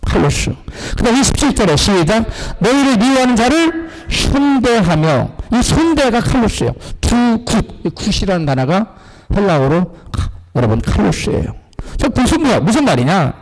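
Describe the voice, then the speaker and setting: A middle-aged male pastor preaches with a high voice that swings widely up and down. He keeps quizzing the congregation and explaining word meanings. His voice rings with the long reverb of a church hall. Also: big pitch swings, moderate pace. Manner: call-and-response questions to the congregation. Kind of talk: sermon. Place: church sanctuary.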